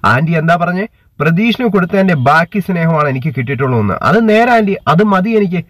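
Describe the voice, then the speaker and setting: A dutiful young son who speaks firmly and earnestly in a family drama, read by a man. His voice sits a little high, close to the mic with a dry, roomless sound. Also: lively intonation, fast talker, a bit bright, dry recording. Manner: earnest, firm.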